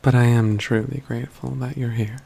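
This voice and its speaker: Nearly whispering in a soft, breathy ASMR fantasy roleplay, this man voices a caring, confident, wry mage companion. His phrasing is formal and measured, his pitch medium with little movement, and his mood warm and wry.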